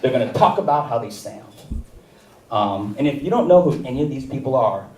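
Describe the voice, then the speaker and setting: A man's voice: mid-range voice, lively intonation, a little fast, darkish tone. Rambling middle-aged male stand-up comic. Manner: rambling, self-deprecating. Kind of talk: stand-up comedy. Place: comedy theater stage. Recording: echoey theater, far mic.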